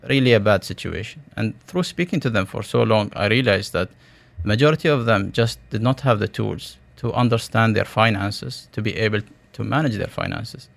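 A man from the United Arab Emirates giving a radio interview as a startup founder, pitching in tech jargon with halting, repeated words. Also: creaky.

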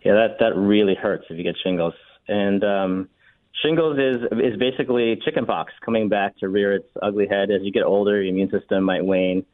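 A male doctor calls in to the show and explains things calmly and plainly. His voice is low and steady. It comes through a thin, tinny phone line. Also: fairly quick. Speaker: emergency room doctor, guest. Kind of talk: phone-in interview.

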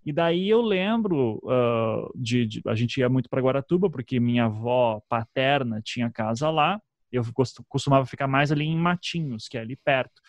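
A man in his thirties with a Paraná accent from southern Brazil, speaking conversationally and reflectively as an interview guest, often halting and restarting his sentences. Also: medium pitch, no echo. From Curitiba, southern Brazil. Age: 30s. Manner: halting, self-interrupting, frequent "né" tags. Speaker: podcast guest, storytelling podcaster.

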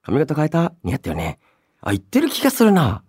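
Leaning toward the high side, this thirty-something radio host's voice is a little mellow and slightly rough, swinging widely in pitch at a brisk clip. In the studio, with music behind him, he reads listener mail and chats playfully, loosely yet politely, frequently chuckling at his own remarks.

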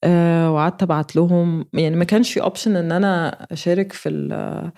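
Fast-talking Egyptian woman, gravelly and dark. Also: lowish voice, fairly even intonation. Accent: Egyptian Arabic. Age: 30s. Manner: candid, laughs while recounting. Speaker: interviewee. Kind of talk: personal storytelling.

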